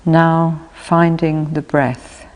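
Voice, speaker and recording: A woman minister leading a guided meditation in measured, unhurried phrases with long pauses. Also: sits low, flat delivery, a little mellow. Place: church. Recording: long reverb of a church hall.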